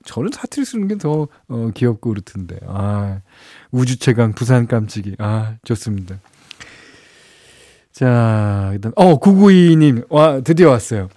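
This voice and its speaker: Medium-pitched, expressive, and warm, this middle-aged radio host takes his time as he chats casually through listener messages. He chuckles frequently and fills his speech with fillers, and his studio microphone gives a dry sound with no echo.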